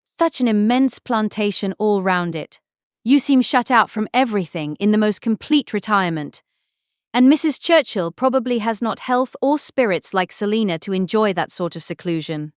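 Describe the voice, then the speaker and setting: Woman playing a vain, swooping gentlewoman. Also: medium pitch, animated, normal speed, smooth, dry recording, studio quality, lightly acted. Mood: smug, affected. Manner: affected, pompous, chatty. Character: vain, self-satisfied young married gentlewoman, gushingly pretentious. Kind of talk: full-cast audiobook period drama acting.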